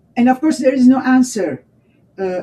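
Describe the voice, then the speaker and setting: A woman's somewhat breathy, dark, mellow voice with lively intonation and an Armenian accent. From Lebanon. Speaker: actress. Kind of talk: interview answer.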